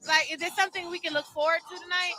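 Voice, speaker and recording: A woman's voice: very high-pitched, fairly even intonation, rapid-fire, low-quality recording. A woman hosting live interviews at a showcase event, talking in a hyped, informal, slangy way. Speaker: interviewer and host. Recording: music behind the voice. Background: music at a live showcase.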